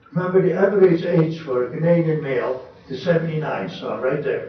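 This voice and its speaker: Ordinary pitch variation marks the voice, heard over noticeable background noise. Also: man. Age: 80s+. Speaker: resident addressing council. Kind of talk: public meeting submission. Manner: animated.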